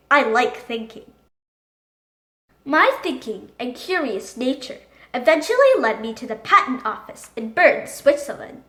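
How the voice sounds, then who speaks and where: A woman reading a children's picture book aloud in an expressive, emphatic storytelling manner. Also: high-pitched, echoey room. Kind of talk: animated picture book read-aloud in character.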